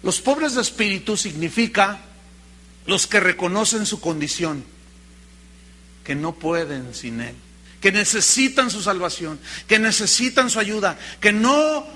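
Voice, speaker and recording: A man with a Mexican accent preaching a sermon, telling stories in an animated way and calling his listeners brother. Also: sits high, measured pace. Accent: Mexican Spanish. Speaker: pastor.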